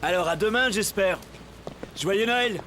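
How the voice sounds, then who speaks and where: High-pitched friendly tree seller, noisy background. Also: male voice, a little slow. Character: friendly Christmas tree seller, apologetic and obliging. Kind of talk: children's cartoon voice acting. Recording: loud outdoor ambience behind.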